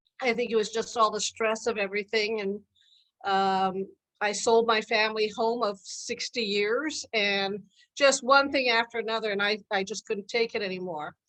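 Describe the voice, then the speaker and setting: Against a quiet background, a woman speaks at a fairly high pitch with fairly even intonation. Her tone is bright and sharp, and her pace is moderate. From Guam. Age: 70s. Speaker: health product user sharing testimonial. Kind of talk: testimony. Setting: video call.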